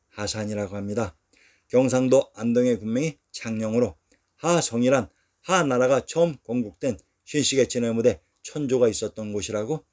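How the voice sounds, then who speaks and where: Dark-voiced man in formal history narration. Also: medium pitch. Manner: steady, formal reading cadence.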